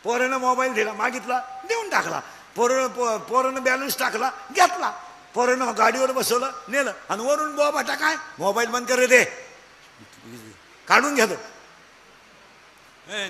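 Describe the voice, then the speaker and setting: A man giving a comic devotional kirtan sermon, scolding and bantering with the crowd and shouting at the peaks. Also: extremely high pitch, normal speed. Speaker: kirtan preacher. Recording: echoey hall with faint background noise.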